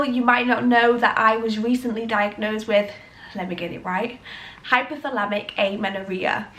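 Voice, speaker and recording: A young woman with a British accent talks straight to camera in a chatty, rambling, reassuring way. A cold leaves her sounding stuffed up and nasal, and her voice sits a little high. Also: fairly bright tone. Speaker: health vlogger. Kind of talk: casual talk to camera.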